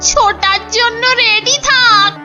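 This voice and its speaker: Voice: very high-pitched, takes it slowly, dull audio, music in the background. A performer voicing a cheeky, wary young schoolboy sidekick in a cartoon, dramatic and wisecracking. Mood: nervous urgency. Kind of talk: cartoon voice acting.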